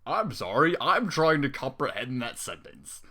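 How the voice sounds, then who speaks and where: Exasperated man with wildly swinging pitch. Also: very animated, unhurried, sharp tone. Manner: sarcastic, swearing, exasperated. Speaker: fan fiction reader. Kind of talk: reading a story aloud with exasperated running commentary.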